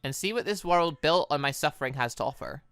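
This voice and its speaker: A gamer voicing a calm, solemn god who leads an evil crew, in measured, formal speech for a visual novel. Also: medium pitch, smooth, dry recording, natural voice.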